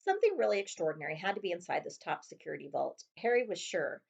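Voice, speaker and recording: A woman's voice: fairly low pitch, big pitch swings, fast, vocal fry, breathy edge. A woman librarian narrating a children's chapter book as a read-aloud.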